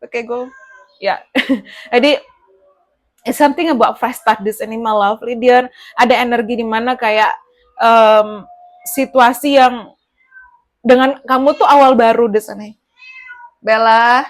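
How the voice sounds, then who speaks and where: A woman's voice: a little high, steady tone, unhurried, long pauses. A woman giving a casual tarot reading straight to the listener, chatty and rambling. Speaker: tarot reader.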